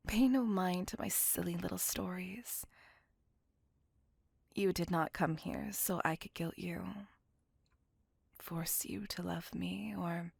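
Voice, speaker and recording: A woman's voice: on the low side, steady tone, slow, gravelly, pauses often, slightly rough, no room sound, full character voice. Woman whispering as a devoted vampire lady. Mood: tender whisper. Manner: soft close whisper, apologetic and doting. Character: devoted, possessive female vampire on a date. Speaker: voice actor. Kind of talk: ASMR roleplay whispering.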